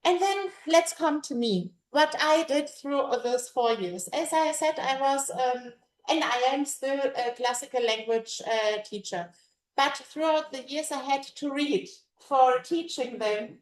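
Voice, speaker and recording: A woman whose first languages are Greek and German gives a conference presentation in English as a language teacher. She talks haltingly, searching for words and restarting often. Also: high voice. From Greece. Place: conference room. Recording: echoey room.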